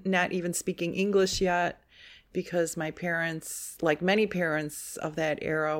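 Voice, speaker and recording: Earnest woman author. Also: lowish voice. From Chicago, USA. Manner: earnest, heartfelt. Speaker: author and teacher. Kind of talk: interview answers.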